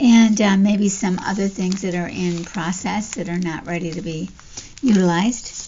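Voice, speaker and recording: At a fairly slow pace a woman speaks, with noticeable background noise behind her. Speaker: crafting video creator. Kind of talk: craft tutorial.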